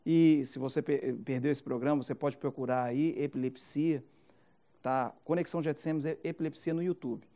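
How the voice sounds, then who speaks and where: A male pastor hosts a Christian TV interview show and speaks with emphasis, often turning to the viewers to preach a point. His voice sits a little higher than most men's. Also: fairly even intonation, normal speed, dark tone.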